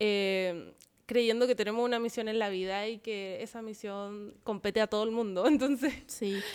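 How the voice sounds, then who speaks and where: Speaking at a moderate pace in a Chilean accent, a woman with a fairly high pitch keeps her intonation fairly even in a very clean recording with a silent background. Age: 20s. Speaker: podcast co-host. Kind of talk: casual chat about faith.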